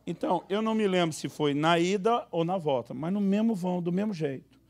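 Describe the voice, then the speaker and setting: A man pastor, telling funny stories in a church sermon and acting out the people in them. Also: a little fast. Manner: animated, acts out quoted dialogue with sudden high voices. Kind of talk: humorous storytelling sermon. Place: church service.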